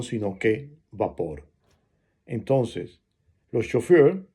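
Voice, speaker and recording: Slow, husky-voiced Venezuelan man. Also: medium pitch, darkish tone. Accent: Venezuelan Spanish. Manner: slow, reflective, pausing often between phrases. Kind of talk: spoken essay to camera.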